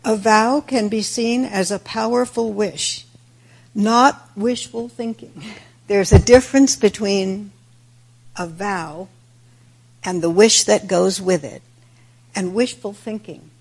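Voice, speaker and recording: Woman, Buddhist teacher, raspy husky voice, gravelly creak, deliberate sermon delivery. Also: medium pitch, a little mellow. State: raspy voice today with throat clearing. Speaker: Buddhist teacher giving a dharma talk. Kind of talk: sermon, reflective religious talk.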